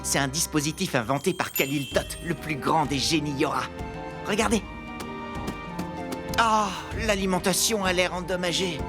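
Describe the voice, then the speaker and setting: A clever young inventor from a children's cartoon, voiced by a woman, precise and eager to explain. Music plays quietly behind. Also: sits low, normal speed, close to an everyday voice. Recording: music under the voice.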